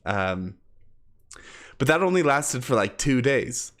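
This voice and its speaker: Slow-paced, slightly congested male streamer. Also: mid-range voice, sing-song, a bit bright. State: sick with a cold. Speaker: live game streamer. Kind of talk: casual chat to stream viewers.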